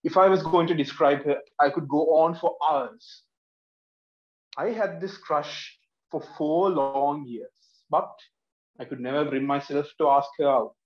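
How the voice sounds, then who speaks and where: Standing in his living room with headphones on, a young Sri Lankan contestant in his twenties gives an earnest, emphatic prepared speech, gesturing with both hands. His slightly high voice moves a little slowly with fairly even intonation. The laptop camera across the room yields echoey, dull, lo-fi audio.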